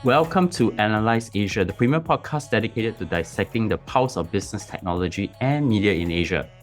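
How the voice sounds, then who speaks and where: A man with a very deep voice hosts an interview podcast. He speaks formally, with scripted introductions and carefully phrased questions. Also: expressive, brisk, faint music behind. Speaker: podcast host.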